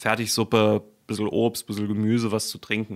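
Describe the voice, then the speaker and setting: The recording is very clean, with a silent background. A man with an unremarkable speaking voice speaks at a medium pitch and a moderate pace. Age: 30s. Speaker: podcast co-host. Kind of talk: casual chat.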